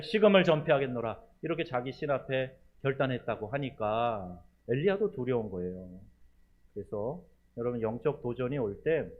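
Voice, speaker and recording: A man preaches a Sunday sermon at a middle pitch, earnest and direct. Now and then he acts out a pleading prayer in a raised voice. The sound is thin and tinny, like a phone line. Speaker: pastor.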